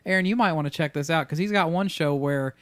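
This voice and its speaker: Brief: male podcast co-host, slightly high voice, loose rambling chat, dry close mic. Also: fast, fairly bright tone, clear, resonant tone, dry recording. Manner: rambling, laughs easily, many fillers. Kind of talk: casual chat.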